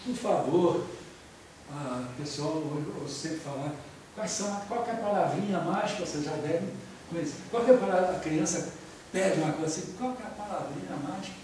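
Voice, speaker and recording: Brazilian grammar teacher, man, high voice, jokey lecture, echoey room from afar. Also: moderate pace, far from the mic, a little hiss or hum. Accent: Brazilian Portuguese. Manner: jokey, acts out quotes in lively voices. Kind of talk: classroom lecture with anecdotes.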